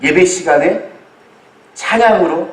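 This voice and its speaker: A man preaching a sermon as a pastor to a congregation, telling it in deliberate phrases with pauses. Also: high voice. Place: large echoey room, church service. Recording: echoey hall, distant microphone.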